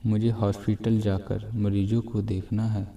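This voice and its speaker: Gentle, compassionate old spiritual master, read by a man, slow and level, in a roomy echo. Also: on the low side, little pitch movement, vocal fry. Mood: calm, reassuring. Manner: gentle and reassuring. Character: calm, compassionate elderly male spiritual master.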